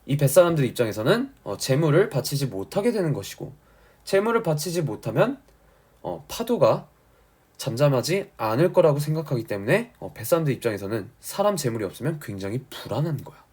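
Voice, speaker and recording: A male teacher giving an exam-prep lecture on literature, explaining didactically and emphatically and often checking that students follow, his voice husky from a sore throat. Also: on the high side. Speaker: Korean language and literature teacher.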